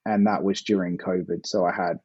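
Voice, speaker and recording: An Australian man, an author guest, talking in a relaxed, hesitant way with plenty of fillers. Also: deep voice, a little fast, no echo, dull audio. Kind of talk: casual interview chat.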